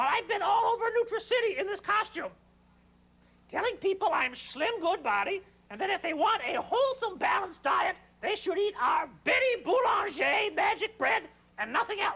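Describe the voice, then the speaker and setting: This put-on character voice has an extremely high pitch. It moves at a moderate pace. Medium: audio drama.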